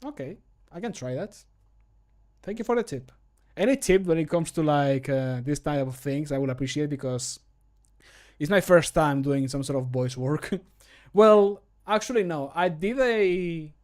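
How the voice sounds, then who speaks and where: A man's voice: a little high, expressive, normal speed. A young man streaming his game modding, chatting casually with a self-mocking tone and frequent laughs on a close home mic. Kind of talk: casual livestream chat while recording.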